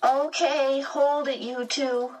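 A woman doing an excited little boy. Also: sits high, recorded from a distance, voice pushed up, poor audio. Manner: quick, quivering with excitement. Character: young boy, excited and precocious.

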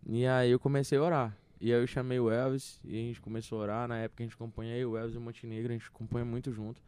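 Fast-talking Brazilian man from Tocantins. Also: medium pitch, level tone, darkish tone, clear, resonant tone, no room sound. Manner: earnest, rambling, heavy fillers. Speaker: songwriter guest. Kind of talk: casual interview storytelling.

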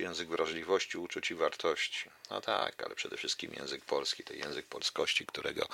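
A man's voice: deep voice, vocal fry, sharp tone. A man hosting his own radio show, reciting his poems in a solemn, declaiming voice with casual asides to listeners. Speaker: internet radio host and poet. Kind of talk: poetry reading with casual asides.

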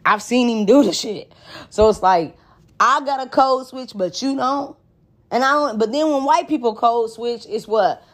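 A woman's voice: fairly high pitch, normal speed. A woman with an African American accent talking in a candid, casual podcast monologue, blunt and slangy with plenty of swearing. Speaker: podcast host.

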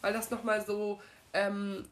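A woman's voice: medium pitch, flat delivery, slow. A woman co-hosting a casual podcast while she has a cold, talking in a rambling way with sentences that trail off, on an amateur home mic. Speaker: podcast co-host. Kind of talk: casual chat.

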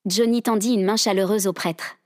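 A woman doing the scripted narration of an audio drama in a steady storytelling manner. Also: mid-range voice, normal speed, no room sound, clean studio sound.

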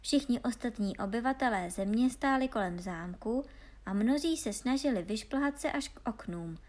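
A woman calmly reading a fairy tale aloud as storyteller. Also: fairly high pitch.

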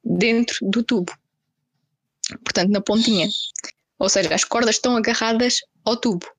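A young woman with a European Portuguese accent, casually telling friends a story in slangy, animated style with acted-out quotes. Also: on the high side, normal speed, dry recording.

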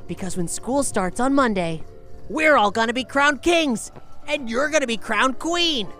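A woman's voice: a little high, expressive, measured pace, fairly bright tone. Woman playing a cocky sneering bully boy, music behind. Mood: swaggering. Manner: sneering, sarcastic, swaggering. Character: cocky, taunting bully boy, ringleader of kids. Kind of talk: improvised tabletop roleplay audio drama.

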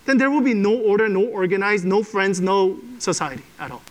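A man's voice: high-pitched, brisk, rough recording. A man preaching a sermon to a congregation in a conversational way, often checking in with "okay?". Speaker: pastor.

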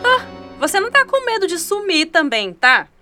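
An actress playing a sharp, wary ex-detective in an audio drama, exasperated and teasing. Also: female voice, extremely high pitch, sing-song, normal speed, soft background music, exaggerated voice. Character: sharp, wary female ex-detective travelling the river.

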